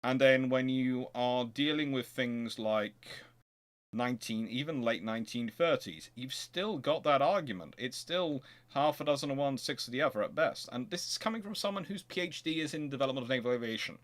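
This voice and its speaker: A man's voice: mid-range voice, moderate pace. A man hosting an informal history question-and-answer livestream, talking in a discursive, rambling way and often restarting his sentences. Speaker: host, naval historian.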